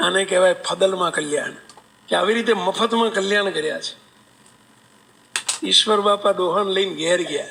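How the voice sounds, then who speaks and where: High, gravelly storyteller man. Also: normal speed, pauses often, low-quality recording. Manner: animated, acts out quoted voices, asks the listeners questions. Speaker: religious storyteller. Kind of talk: devotional sermon storytelling.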